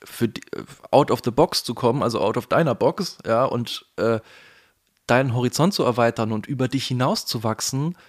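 A man from the Palatinate region of Germany with a faint Palatinate German accent, a voice actor speaking thoughtfully in a relaxed interview, pausing often with fillers. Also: medium pitch. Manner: thoughtful, hesitant, many fillers. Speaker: guest, voice actor. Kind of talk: casual conversational interview.

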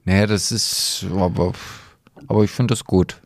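A man's voice: on the low side, fairly even intonation, moderate pace, dry recording. A man co-hosting a casual podcast, teasing his partner with dry sarcasm and many hesitant restarts. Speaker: podcast co-host.

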